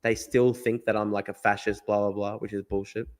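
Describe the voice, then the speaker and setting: A man's voice: on the low side, level tone, fairly quick. A man hosting a political podcast, making his points emphatically and repeating himself, often asking "right?" and dropping in "like". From Australia. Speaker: podcast host. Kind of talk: opinionated political podcast talk.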